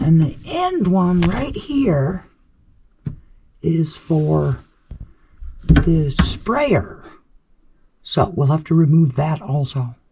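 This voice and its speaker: A woman speaks quietly and very slowly, with long, frequent pauses. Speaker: DIY home repair video host. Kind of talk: tutorial. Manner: quiet, hushed.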